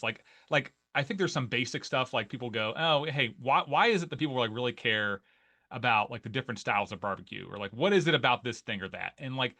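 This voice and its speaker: A man in his forties with an Ohio accent, chatting as a guest in an interview. His voice sounds bright and forward, sitting at an ordinary pitch for a man. He rambles, circling back with fillers and restarts. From Northeast Ohio. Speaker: guest, newsletter writer. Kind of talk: casual interview conversation.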